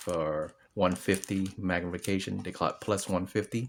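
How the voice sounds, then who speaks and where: A very deep, low male voice with a non-native accent and ordinary pitch variation. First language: not English. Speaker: product reviewer. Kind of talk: casual unboxing review. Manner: halting, many fillers.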